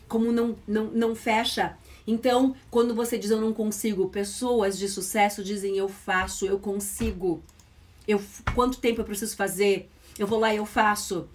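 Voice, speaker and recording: A woman, a mental coach giving a motivational podcast lesson, emphatic and repetitive as she stresses key phrases. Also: mid-range voice.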